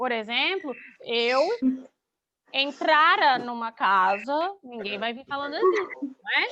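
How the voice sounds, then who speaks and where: In a Goiás accent, a raised, projected voice with a bright, sharp tone moves very slowly, its lively intonation broken by long, frequent pauses and big swings in loudness. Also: woman, high pitch for a woman. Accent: Goiás caipira. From Brazil, Goiás. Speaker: primary school teacher. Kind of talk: online class lesson. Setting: video call. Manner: informal, colloquial.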